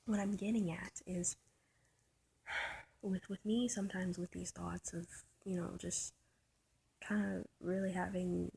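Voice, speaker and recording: A trans man with a soft, light voice, thinking aloud in a personal vlog, halting and searching, often trailing into a whisper. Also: sits high, flat delivery, gravelly, a little hiss or hum. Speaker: vlogger. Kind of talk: personal reflective vlog monologue.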